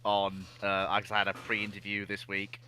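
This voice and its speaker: A man's voice: on the low side, completely flat delivery, normal speed, sharp tone. A man co-hosting a livestream in casual chat, with jokey asides. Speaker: livestream co-host.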